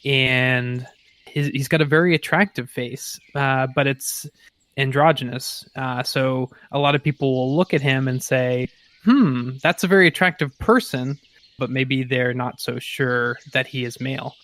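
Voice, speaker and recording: A man playing a tabletop role-playing game, casually describing his character in a thoughtful, halting way as he rephrases. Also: medium pitch, fairly bright tone.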